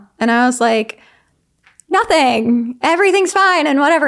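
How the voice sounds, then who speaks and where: With a US Northeastern accent, a woman speaks in an animated tone with ordinary pitch variation. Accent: US Northeast. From Connecticut. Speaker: podcast guest sharing personal story. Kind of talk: testimony.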